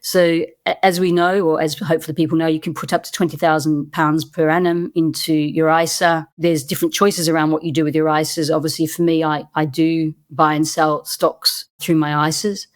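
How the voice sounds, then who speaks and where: A woman's voice: sits low, little pitch movement, normal speed, few pauses. A middle-aged woman from Australia with an Australian accent, talking earnestly as an interview guest and often restarting her words. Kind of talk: conversational interview.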